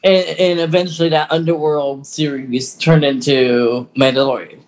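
Higher-pitched man, casual podcast co-host. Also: fairly even intonation, moderate pace. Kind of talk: casual chat.

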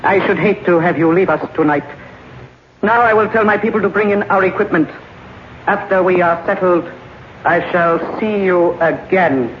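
A male actor playing a courteous but commanding alien posing as a man in an old science fiction radio drama, speaking formally with measured menace. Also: high voice, natural voice. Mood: coolly courteous. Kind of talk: 1950s radio drama acting. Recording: muffled, noisy old radio recording.

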